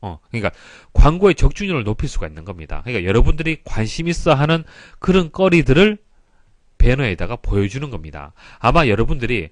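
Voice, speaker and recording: Reading exam questions and working through their solutions, a man gives an explanatory exam prep lecture, politely and didactically emphasizing key terms. His medium-pitched voice is very animated and fast, with no room sound.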